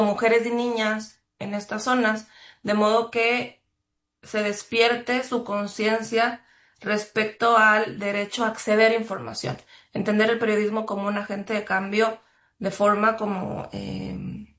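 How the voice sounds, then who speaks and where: A woman from Ecuador, a journalist, answering interview questions in a thoughtful, measured way with frequent fillers and restarts. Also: mid-range voice, fairly bright tone. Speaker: journalist guest. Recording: roomy echo.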